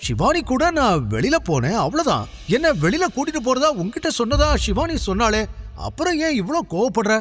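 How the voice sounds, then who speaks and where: A man's voice: very high-pitched, big pitch swings, brisk, a bit bright, faint music behind, pitched above the performer's own voice, full character voice. A man doing an irritated young husband. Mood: firm, irritated. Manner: firm, exasperated, sarcastic.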